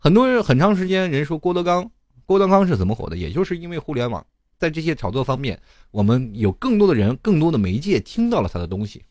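A young man tells stories in a comedic monologue. His pitch leaps and dips in a very animated way, and he throws in rhetorical asides and chuckles as he goes. His voice sits dry and close, with no room sound. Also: fast talker, no echo. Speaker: host.

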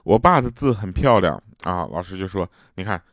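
A man's voice: low voice, animated, moderate pace, a bit bright, dry recording, studio quality. A man tells comic everyday anecdotes in a chatty way, laughing at his own jokes and putting on voices for the quoted people. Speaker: comic storyteller. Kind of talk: casual joke-telling monologue.

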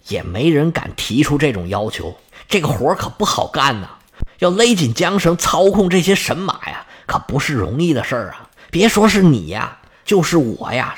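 Brief: worried fatherly god, husky, stammering and pleading, as a male storyteller puts him on. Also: on the high side, a bit bright, heavily acted.

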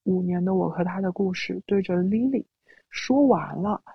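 Woman with a voice changer, gravelly. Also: fairly low pitch, normal speed, dry recording. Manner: recounts events, quoting her own words. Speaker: interview guest. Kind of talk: personal storytelling. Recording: dull lo-fi audio.

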